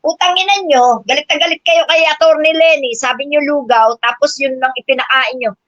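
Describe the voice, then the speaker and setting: A woman's voice: high voice, brisk, fairly bright tone, no echo. An older woman livestreaming a combative, mocking rant, cursing often, laughing, and calling her viewers brothers and sisters. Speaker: political livestream vlogger. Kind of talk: live-stream rant. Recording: dull lo-fi stream audio.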